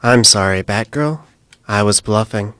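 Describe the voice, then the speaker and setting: A cool young schemer, played by a man in an audio drama, speaking low and close in a dry studio. He is controlled and deadpan, bargaining with quiet calculation. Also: a little slow, clear, resonant tone, no echo. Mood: calculating.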